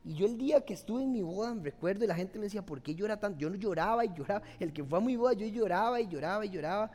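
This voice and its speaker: A man's voice: sits high, expressive, racing, darkish tone. A man with a Costa Rican accent preaching an impassioned, emotional sermon as a pastor. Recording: long hall reverb.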